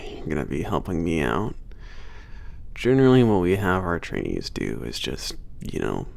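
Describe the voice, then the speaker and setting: A man playing a laid-back, cocky werewolf trainer at a spaceport in an ASMR roleplay, talking casually with teasing, swearing and halting phrases. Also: low voice, big pitch swings, creaky, darkish tone, heavily acted. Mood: wry, easygoing. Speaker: trainer showing a new hire around. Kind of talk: ASMR roleplay, casual one-sided conversation.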